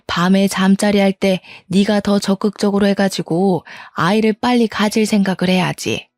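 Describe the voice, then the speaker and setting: A woman reads out an overbearing older mother-in-law, nagging and presumptuous, in a dark, mellow voice. The story-channel telling is close and dry, with no room around it. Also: medium pitch, steady tone, moderate pace, no room sound, close to an everyday voice.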